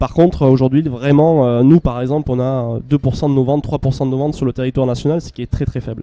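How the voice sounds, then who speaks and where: A man speaks at a very fast pace with a medium pitch. His tone is dark and mellow, his intonation fairly even. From southern France. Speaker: winemaker. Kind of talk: interview. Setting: live event stage set. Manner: halting, many hesitations.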